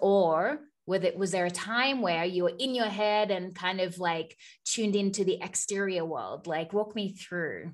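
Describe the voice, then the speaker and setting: A woman with an Australian accent at a medium pitch, animated and enthusiastic in tone, moving at a moderate pace over a quiet background. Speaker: podcast host. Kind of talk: casual interview. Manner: animated, enthusiastic.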